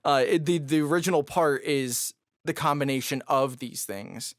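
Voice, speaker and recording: A man with a raspy, somewhat high voice, chatting loosely as a podcast guest. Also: moderate pace, dry recording, studio quality. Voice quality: raspy, higher voice. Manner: loose and jokey, lots of fillers. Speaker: guest musician. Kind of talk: casual podcast conversation.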